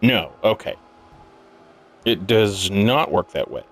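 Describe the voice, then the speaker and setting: Sleep-deprived man, slow halting low voice. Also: animated. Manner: halting, muttering to himself. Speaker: gaming video host. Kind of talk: casual puzzle game let's play commentary, thinking aloud. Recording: music behind the voice. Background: game music.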